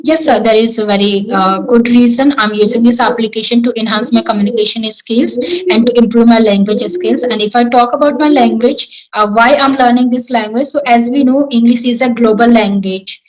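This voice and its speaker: A young Marwari-speaking woman from Rajasthan, an English learner with an Indian accent, answers questions on an online practice call using careful, rehearsed sentences and fillers. Her voice is on the high side at a normal speed, and the recording is rough.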